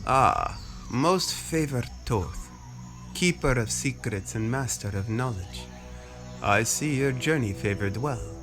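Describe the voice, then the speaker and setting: Guy playing bossy alien war lord, formal, medium pitch, music behind. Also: lively intonation, takes it slowly. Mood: pleased, scheming. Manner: commanding, formal. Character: imperious armored alien lord plotting war.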